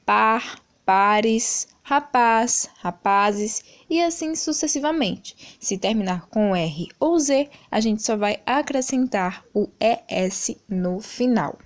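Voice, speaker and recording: Slow, patient woman teacher. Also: on the high side, expressive. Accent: Brazilian Portuguese. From Brazil. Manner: slow, patient explaining with frequent "certo?" checks. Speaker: school teacher. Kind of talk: recorded video lesson.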